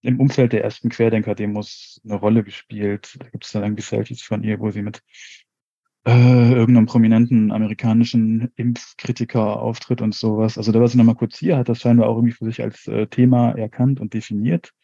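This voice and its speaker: A man's voice: fairly low pitch, little pitch movement, fairly quick, warm tone, breathy edge, no echo, muffled recording. A man co-hosting a podcast discussion, talking hesitantly and hedging with many fillers. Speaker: podcast co-host.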